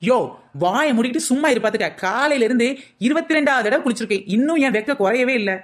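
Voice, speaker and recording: Woman doing a snappy sarcastic housewife in a cartoon, talks fast, kinda high. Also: expressive. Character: sharp-tongued, overheated housewife. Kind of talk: cartoon comedy voice acting.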